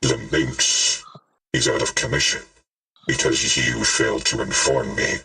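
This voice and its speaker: A man's voice: very deep voice, fairly even intonation, creaky, pushed and bright, recorded from a distance, soft background music, voice pushed down, exaggerated voice. A man voicing a cold, menacing villain with a tinny metallic voice as a tabletop game master. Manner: cold, threatening, slow and deliberate.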